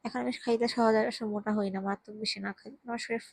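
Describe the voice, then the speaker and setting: A tired young woman, speaking very softly while lying down at home, giving casual health advice into a handheld mic. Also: fairly high pitch, little pitch movement, very fast, no echo, rough recording. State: tired, drowsy. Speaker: vlogger. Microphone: handheld microphone.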